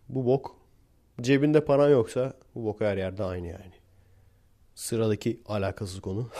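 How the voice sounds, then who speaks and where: A man's voice: on the low side, mellow. A young man from Turkey talking blunt and slangy to his viewers, chuckling between points as he tells stories. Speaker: vlogger. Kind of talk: casual storytelling monologue to viewers.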